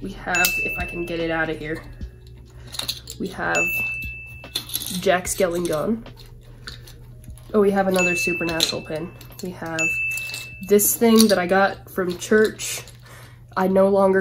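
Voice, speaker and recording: Long, frequent pauses break up speech at a fairly slow pace, with music in the background. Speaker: haul vlogger. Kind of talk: casual haul chat. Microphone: phone near.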